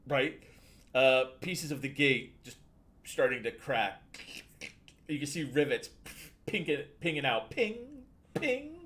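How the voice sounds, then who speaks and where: A man with a mid-pitched voice runs a tabletop game as game master. He narrates casually and excitably, throwing in spoken sound effects. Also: a little slow, pauses often.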